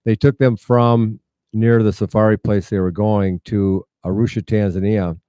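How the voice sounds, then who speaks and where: A middle-aged American man with a Midwestern accent and a fairly low, smooth voice. He tells his story earnestly with wry humor, close and dry, as a guest in an interview. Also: steady tone, moderate pace, mellow, no echo. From United States, rural Iowa. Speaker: interview guest, medical mission founder. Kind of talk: conversational storytelling.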